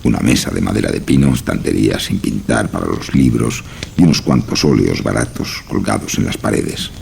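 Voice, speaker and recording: Extremely deep, gravelly male narrator. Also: expressive, fairly quick, darkish tone, a little hiss or hum. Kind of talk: scripted horror story narration. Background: music.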